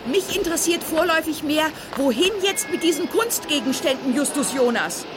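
An actress playing a brusque, snippy aunt who orders boys around in a German children's radio play. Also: female voice, sits high, lively intonation, moderate pace. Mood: bossy, impatient. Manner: snippy, commanding. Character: brusque, bossy aunt at a junkyard, scolding boys. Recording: noisy old radio play recording.

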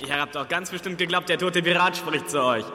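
A man's voice: on the high side, fairly quick. An actor playing a playful, mischievous boy in a German audio drama, with a teasing manner. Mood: gleeful teasing. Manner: lively, teasing. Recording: echoing cave-like sound, noisy.

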